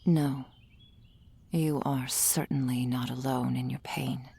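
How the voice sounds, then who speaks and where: A woman voicing a gentle female soul healer in an ASMR roleplay, whispering softly and soothingly into a close microphone. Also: rumbling low, fairly even intonation, full character voice. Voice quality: breathy whisper. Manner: soft whispering, slow and soothing. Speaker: ASMR performer.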